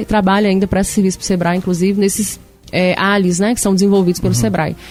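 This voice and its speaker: Very fast speech with fairly even intonation over background music. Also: woman, medium pitch for a woman. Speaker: radio program host. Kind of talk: conversational radio interview talk.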